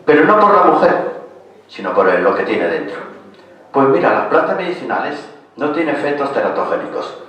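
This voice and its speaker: A man's voice: mid-range voice, sing-song, fairly quick, fairly bright tone. An older man with a Castilian accent speaks to a room as an informal lecturer. His way of talking is colloquial and didactic, with questions thrown to the listeners. The sound is heavily reverberant and somewhat distant from the microphone. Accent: Castilian Spanish. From Spain, raised in Asturias. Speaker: lecturer and author on medicinal plants. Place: echoing lecture room at a cultural center. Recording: very echoey hall, distant microphone.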